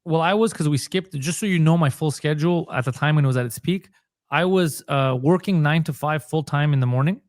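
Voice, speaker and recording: Man, comedian from Montreal, rapid-fire storytelling, dry recording, animated delivery. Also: fairly high pitch, no echo. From Montreal, Canada. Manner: animated storyteller, acts out quoted dialogue. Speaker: comedian and podcaster, interview guest. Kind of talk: casual interview storytelling.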